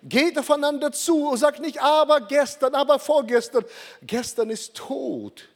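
An older man preaching a sermon, emphatic and slowing down for dramatic pauses. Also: very high voice, in a large hall.

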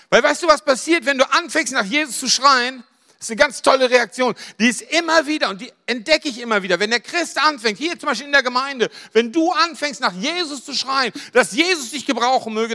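A man preaches with a high, bright voice. His delivery is dramatic, climbing to near-shouts on the key lines and sinking low and quiet for asides. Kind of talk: sermon.

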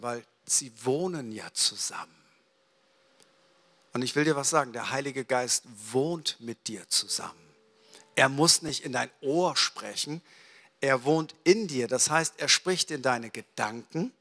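A man delivers a sermon in a lively storytelling manner, slipping into little acted-out exchanges. His voice is bright and sits a bit high. It carries with a long reverb through a large hall. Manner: lively storytelling, acts out dialogue. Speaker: preacher.

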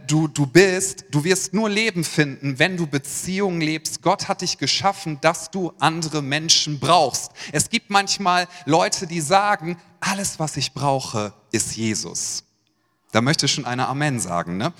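A male pastor preaching a sermon to his congregation in a direct, lively way, asking them questions. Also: a little high, a little slow. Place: church hall. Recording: long church-hall reverb.

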